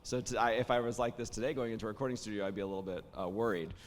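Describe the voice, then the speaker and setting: A man who is a voice actor, hoarse after days of talking, telling stories in casual panel conversation with plenty of restarts and fillers. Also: fairly low pitch, steady tone, very fast, long reverb tail. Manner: warm storytelling, many restarts and fillers.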